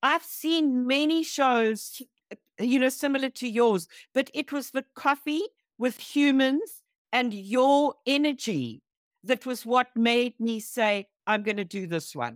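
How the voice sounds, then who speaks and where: In a South African accent, the speaker talks at a very slow pace with ordinary pitch variation, in a very clean, dry and close recording with a silent background and no echo. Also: woman, high pitch for a woman. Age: 70s.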